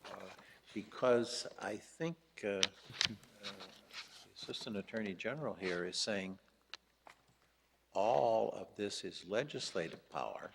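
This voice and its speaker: Judge from the bench: slow and gravelly, probing questions, courtroom reverb with faint background hiss. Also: male voice, fairly low pitch. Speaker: justice questioning counsel. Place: large courtroom.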